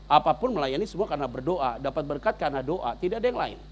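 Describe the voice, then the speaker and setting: A man with a high-pitched voice preaches a sermon as if chatting with friends, full of street slang. He tells stories by acting out every voice in the dialogue himself. His delivery drops to quiet asides, then jumps to loud, excited bursts. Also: quick pace, a little hiss or hum. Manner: acts out both sides of dialogues. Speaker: pastor.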